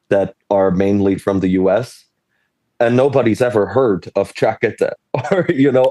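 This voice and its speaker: A low-voiced man chats on a panel over a video call. He rambles, breaks off mid-thought and laughs between points. The sound is dry and close. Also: dark tone, no room sound. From Switzerland. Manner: rambling, self-interrupting, laughs often. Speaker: panelist, game designer. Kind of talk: casual panel discussion.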